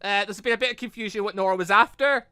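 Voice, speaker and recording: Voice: mid-range voice, fast talker, pushed and bright, clear, resonant tone, no room sound, clean studio sound. A chatty gaming video creator rambling casually through a visual novel let's play, often getting side-tracked.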